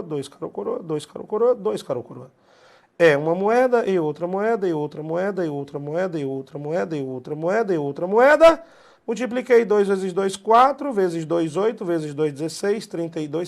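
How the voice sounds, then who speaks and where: Lively emphatic Brazilian man teaching. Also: on the high side. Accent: Brazilian Portuguese. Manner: emphatic, repetitive, slangy and blunt. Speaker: math teacher. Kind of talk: recorded exam-prep lesson.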